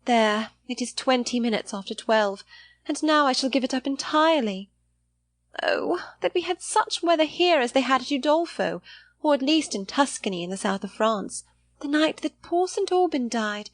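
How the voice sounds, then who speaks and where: A woman's voice: high voice, animated, normal speed, no room sound, pitched above the performer's own voice. A woman voicing an anxious, earnest young lady of seventeen in an audiobook of a period novel, with plaintive, polite speech. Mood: wistful, despondent. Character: anxious, earnest seventeen-year-old young lady, hopeful then despondent.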